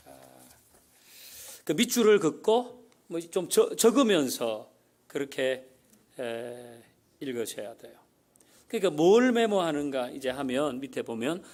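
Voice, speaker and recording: A middle-aged male pastor giving a folksy sermon, asking the congregation questions as he teaches. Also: high voice. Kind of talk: sermon teaching on Bible reading.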